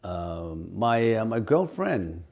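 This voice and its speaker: Halting low-voiced man, Cantonese native. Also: big pitch swings, darkish tone. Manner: halting, many restarts and fillers. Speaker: meditation teacher. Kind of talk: dharma talk with questions.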